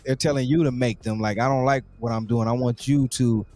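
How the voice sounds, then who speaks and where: Casting: male talk show host, average pitch, informal and slangy, repeats himself while shaping questions. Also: fairly even intonation, a little fast, a little mellow. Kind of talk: casual interview chat.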